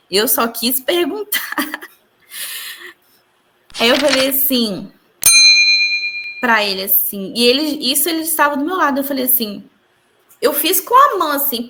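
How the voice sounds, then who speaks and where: Young woman, high-pitched and soft-spoken, giving an earnest personal testimony as an interview guest. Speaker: interviewee recounting a spiritual experience.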